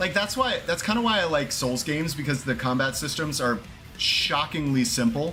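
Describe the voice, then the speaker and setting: A man's fairly high-pitched voice, lively in intonation, at a moderate pace over noticeable background noise. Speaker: gaming streamer. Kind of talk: live gameplay stream chat. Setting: live stream with headphones.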